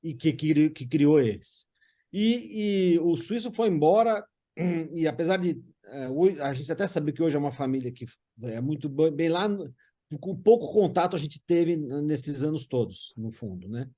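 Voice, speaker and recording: A man recalling family history in casual conversation, haltingly and with frequent checking tags. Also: on the high side, animated, mellow.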